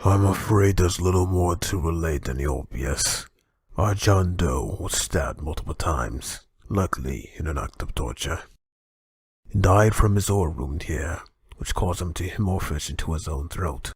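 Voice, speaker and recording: A very raspy, low older coroner reports in a formal, matter-of-fact manner. It is a dry studio drama performance with a gravelly edge. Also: male voice, unhurried, no echo, heavily acted. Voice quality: gravelly, husky.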